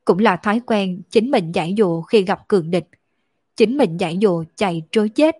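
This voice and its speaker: A tearful young orphan woman, lonely and grieving, voiced by a female audiobook reader. Her words come slow and choked, at a middling pitch. The sound is dry and close, with no room around it. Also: lively intonation, darkish tone, slightly rough, no echo. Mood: sorrowful.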